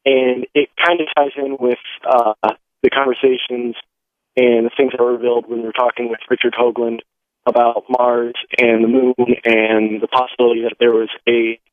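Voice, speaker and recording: A man from Michigan calling in to a radio talk show from his car, speaking hesitantly with many pauses and restarts over a phone line that keeps breaking up. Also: mid-range voice, flat delivery, no echo. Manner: hesitant, halting, full of "uh" and restarts. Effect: calling on a phone while driving, line breaking up. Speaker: caller. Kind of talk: call-in radio chat.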